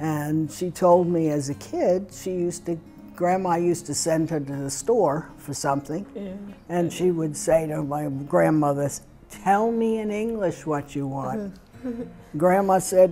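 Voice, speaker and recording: Faint music plays in the background as a woman speaks at a fairly slow pace in a fairly low pitch with ordinary pitch variation. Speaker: interviewee. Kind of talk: interview answer, family storytelling. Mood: warm, amused. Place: home room. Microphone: lapel.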